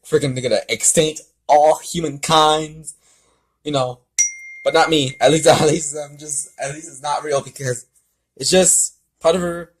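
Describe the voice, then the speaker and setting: A man doing an amateur read-aloud of a story with casual side comments, in a halting way that stumbles over words. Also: mid-range voice, poor audio. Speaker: fan fiction reader and commentator.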